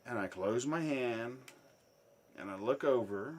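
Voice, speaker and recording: A man telling a swear-filled story in a casual chat, dropping low and then bursting into loud shouts. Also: unhurried. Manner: profane, animated, swings from hushed to shouting.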